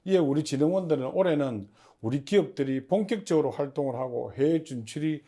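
A man giving formal, somewhat halting interview answers as the head of a public agency, as if partly reading prepared notes. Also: a little high, lively intonation, dark tone.

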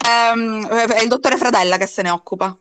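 A woman's voice: on the high side, normal speed, a bit bright. A woman speaking off the cuff as a councillor, raising complaints in an online meeting. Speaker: district councillor. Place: online video call.

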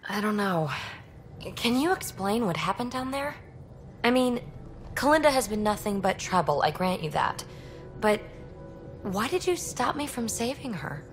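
A woman's voice: medium pitch, big pitch swings, measured pace, pauses often. Young female alien explorer, wry, impulsive, casual game dialogue, prominent music behind. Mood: troubled. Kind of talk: video game cinematic acting.

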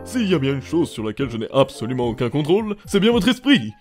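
A man's voice: mid-range voice, sing-song, quick pace, soft background music, close to an everyday voice. A man voicing a manic, cheerful ringmaster of a digital circus in a French cartoon fan dub, with theatrical, grandiose delivery. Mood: breezy, reassuring.

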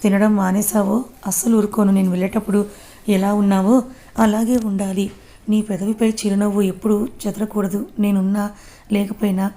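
Affectionate teasing young man, read by a woman, even flat delivery, warm mellow tone. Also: mid-range voice, fairly quick, lightly acted. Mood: caring.

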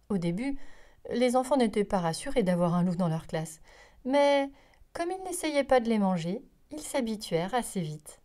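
A woman reading a children's picture book aloud, telling it in an expressive, lively way. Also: mid-range voice. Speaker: storyteller. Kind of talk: children's story read-aloud.

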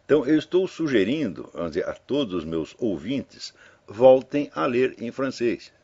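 An older man talks to his listeners in a loose, anecdotal commentary, tossing in tag questions as he goes. His voice is husky and his pitch swings widely. The audio is dull and lo-fi. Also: big pitch swings, moderate pace, dark tone. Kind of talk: casual spoken commentary.

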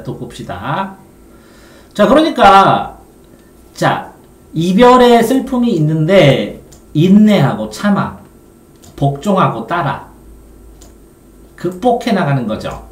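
A man's voice: high-pitched, reverberant. A man tutoring middle-school students on a poem. He explains step by step and keeps checking whether they understand. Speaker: Korean literature tutor. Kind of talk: exam-prep lecture.

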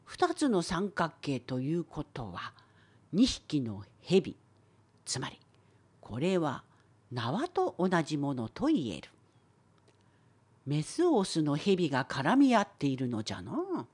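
A woman voicing a wise, opinionated old professor in an educational cartoon, with a creaky, husky old-timer voice and a wry lecturing manner. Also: sits low, huge pitch swings, takes it slowly, long pauses, darkish tone, exaggerated voice. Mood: explaining. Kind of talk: scripted educational cartoon dialogue.

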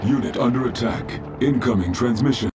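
A man's voice: medium pitch, moderate pace, lightly acted. A man voicing a military battle announcer in a strategy game, giving clipped, matter-of-fact, official status reports. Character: calm male military battle computer announcer for a zealot army. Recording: loud game music behind.

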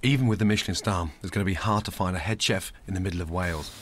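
A man's voice: sits low, rapid-fire, slight background noise. A man reading a matter-of-fact voice-over for a reality TV show. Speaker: narrator. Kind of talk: scripted TV voice-over. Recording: voice-over over loud music bed.

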